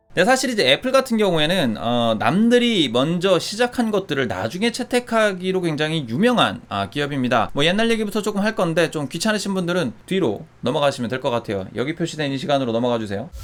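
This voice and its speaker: A man with a high pitch, very wide pitch swings, a fairly quick pace and hardly any pauses. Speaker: tech youtuber. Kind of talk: casual tech commentary. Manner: fast.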